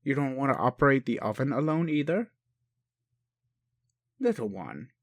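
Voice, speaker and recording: A man playing a bemused, gentle and naive male alien caregiver in an intimate roleplay audio, speaking hesitantly and haltingly. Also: mid-range voice, very animated, dry recording, studio quality, natural voice. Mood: reluctant, resigned. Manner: hesitant, puzzled, halting, sighing. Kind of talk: intimate one-sided roleplay audio acting.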